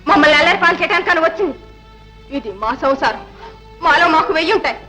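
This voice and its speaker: An actress playing a young wife pleading to keep family peace, earnest, in 1960s film melodrama. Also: female voice, very high voice, expressive, quick pace, bright, forceful tone, soft background music, exaggerated voice.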